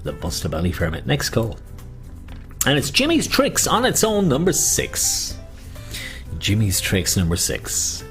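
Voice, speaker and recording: A man hosting an online game as a bingo caller, with chatty, jokey patter and drawn-out number calls using traditional nicknames. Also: medium pitch, huge pitch swings, faint music behind.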